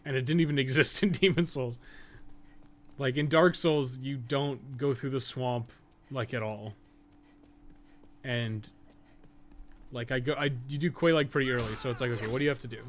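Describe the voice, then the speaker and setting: A man's voice: mid-range voice, steady tone, moderate pace, long pauses, a little hiss or hum. Sweary man rambling over a game. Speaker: game streamer and podcast co-host. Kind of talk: casual gameplay commentary.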